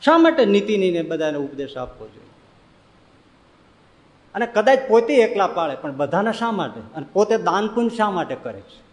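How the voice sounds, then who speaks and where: A spiritual speaker with a high, ringing male voice delivers a lively storytelling sermon at normal speed, building his points with rhetorical questions and laughing often. Long reverb trails his words, as in a large hall.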